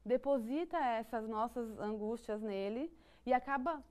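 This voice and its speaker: A woman with a Brazilian Portuguese accent talks through ideas in a relaxed conversation. Her voice sits a little high, and she pauses and restarts often as she thinks. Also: clean tone. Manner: thoughtful, many restarts and fillers, laughs lightly. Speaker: psychology guest. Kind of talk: conversational explanation.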